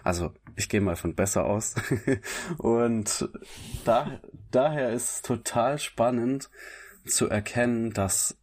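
A man who sings, with a raspy, smoky voice, talking in a relaxed interview and often correcting himself with small laughs. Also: mid-range voice, takes it slowly. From grew up bilingual German-Italian. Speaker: singer, interview guest.

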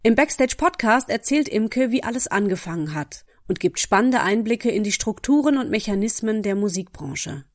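A woman hosts a podcast interview in an upbeat, friendly way. Her voice sits a little high for a woman. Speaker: podcast host.

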